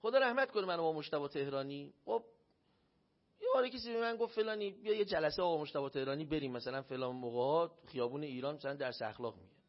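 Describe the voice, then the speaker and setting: A man's voice: fairly high pitch, lively intonation. A man preaching a religious sermon, telling a personal story and acting out the voices he quotes. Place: shrine hall. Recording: dull lo-fi recording.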